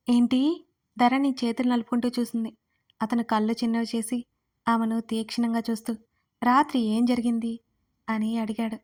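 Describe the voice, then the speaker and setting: A woman with a Telugu accent narrating a romance audio story in a steady, expressive way. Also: on the high side. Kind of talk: scripted narration.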